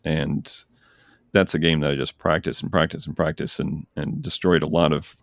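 A man's voice: rumbling low, flat delivery, normal speed, gravelly, no echo, studio quality. A man hosting a podcast, chatting casually and enthusiastically about games he recommends. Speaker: podcast host. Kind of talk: casual chat.

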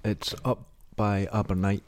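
A man's voice: lowish voice, little pitch movement, measured pace, a little mellow, no room sound. A middle-aged Scottish man from Dundee hosting a casual podcast, wry and self-deprecating, laughing often. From Dundee, Scotland. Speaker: podcast host. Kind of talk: casual comedic chat.

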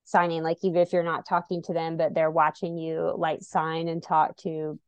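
A woman guest talking casually and chattily, with frequent "like" and "you know". Her voice sits a little low, and the recording is dry and close. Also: monotone, moderate pace, clean tone, no echo. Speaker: guest parent. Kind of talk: casual conversation.

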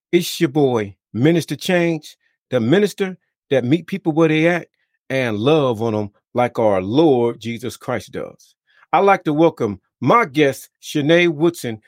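A man hosting a faith podcast as a minister, talking in a casual, warm-hearted preacher way with lots of repeated amens and greetings. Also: medium pitch, no echo, studio quality. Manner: lively, repetitive, preacher-like affirmations. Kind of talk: casual interview.

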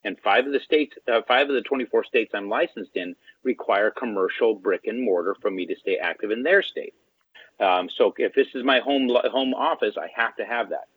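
A man with a low, husky voice tells a story as an interview guest in a loose, casual way. He acts out the quoted lines of the people in it as he goes. The sound is thin and tinny like a phone line, and dry, with no room echo. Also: moderate pace. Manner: animated, acts out quoted dialogue.

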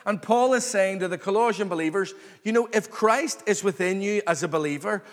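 A man preaching an expository sermon to a congregation, earnest, excited and emphatic, repeating phrases and calling for response. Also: high voice, brisk. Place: large reverberant room, live before a congregation. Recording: long hall reverb.

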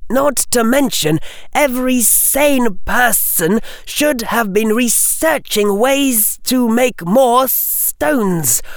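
A man reading an audiobook voices a clever, earnest young wizard boy in a higher, urgent pitch. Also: expressive, slow pace, no echo, studio quality, full character voice. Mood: analytical. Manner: urgent, pleading, raised pitch.

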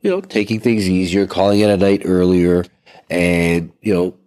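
A man in his forties co-hosts a relaxed couple's podcast with a congested, stuffed-up sound. His voice sits very low, and he talks with energy, often repeating words as he restarts a thought. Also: normal speed, clear, resonant tone, no echo, studio quality. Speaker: podcast co-host. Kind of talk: casual couple's podcast chat.

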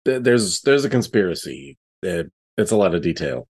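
A man with a fairly low voice plays a tabletop role-playing game. He improvises his character's actions and banter casually, in a halting and jokey manner. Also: sing-song, a little mellow, breathy edge.

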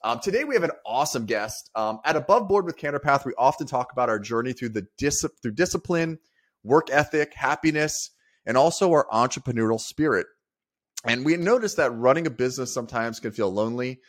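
A man's voice: medium pitch, lively intonation, a little fast. Upbeat man co-hosting a podcast. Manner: upbeat, loose with fillers. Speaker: podcast co-host. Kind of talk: casual podcast chat.

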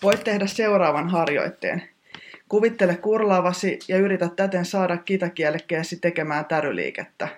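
Precise, technical pronunciation teacher. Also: mid-range voice. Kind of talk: scripted pronunciation lesson.

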